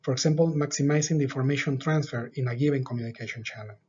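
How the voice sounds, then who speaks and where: A middle-aged man presenting his lab's research in a measured, deliberate way from an office with a whiteboard, recorded on a webcam. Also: mid-range voice, fairly even intonation, mellow, muffled recording, a little hiss or hum. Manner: measured, deliberate delivery with occasional filler pauses. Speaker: lab director giving a research overview. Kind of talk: scripted presentation.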